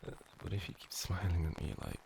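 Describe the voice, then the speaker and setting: A man's voice: low voice, sing-song, fast talker, creaky, darkish tone, a little hiss or hum, heavily acted. A man playing a flustered, smitten young tutor in an ASMR role-play, with a nerdy, awkward, stammering delivery. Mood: flustered, restrained.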